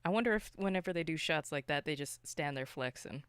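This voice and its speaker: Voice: medium pitch, animated, a little fast, a bit bright, smooth, dry recording. A podcast co-host chatting casually about films in a slangy, exclamatory way.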